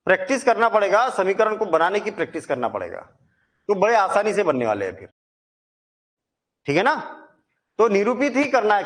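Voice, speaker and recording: A man teaching a maths lesson, chatty and reassuring, asking questions and answering them himself. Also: high voice.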